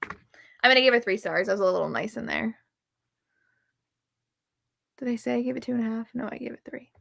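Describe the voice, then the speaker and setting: A woman with a bright, slightly crackly voice hosts a casual book livestream. She talks candidly and gives firm opinions in a conversational way. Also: fairly high pitch, fairly quick, gravelly. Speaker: book reviewer and livestream host. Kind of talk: casual chat about books on a live show.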